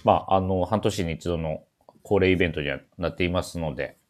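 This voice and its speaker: A man's voice: deep voice, fairly quick. A man hosting a casual radio talk show, chatting with guests and reading out listener letters.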